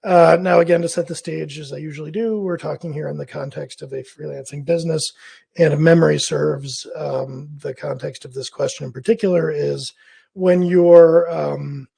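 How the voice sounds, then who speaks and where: A man with a slightly high, raspy voice talks through freelance business questions in a loose, casual monologue. He sounds hoarse and scratchy as he recovers from laryngitis. He often stops to rephrase and correct himself mid-thought. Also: fairly even intonation, normal speed, warm tone. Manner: rambling, thinking aloud with frequent self-corrections. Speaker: freelance business advice host.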